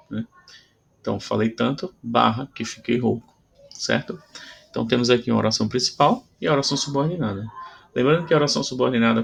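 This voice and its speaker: A man's voice: mid-range voice, creaky, a bit bright, slightly rough. A man with a Brazilian Portuguese accent teaching a grammar lesson, explaining patiently and checking in with frequent "tá?" between examples.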